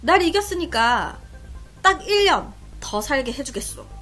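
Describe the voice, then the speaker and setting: A woman's voice: high voice, big pitch swings, measured pace, a bit bright, faint music behind, full character voice. A woman voicing a brusque man who escorts the dead, scolding and impatient. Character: brusque male grim-reaper-like escort of the dead.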